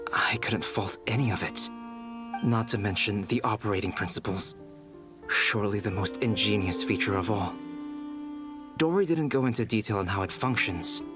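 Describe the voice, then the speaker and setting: A man's voice: on the low side, close to an everyday voice. An actor playing an earnest young male researcher in a video game, speaking formally and analytically. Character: earnest scholarly young man, meticulous inventor and researcher. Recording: game music behind the voice.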